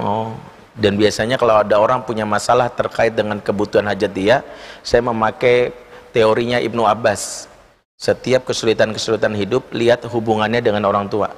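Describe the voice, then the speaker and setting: A man with a lowish voice preaches briskly in a large, reverberant mosque hall. His sermon features stories told with gusto, and he acts out the quoted voices.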